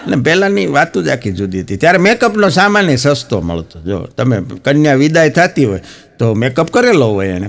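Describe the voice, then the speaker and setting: A man with a Gujarati accent telling stand-up jokes, acting out the people in his stories. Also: medium pitch. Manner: storytelling, acts out quoted characters. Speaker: stand-up comedian.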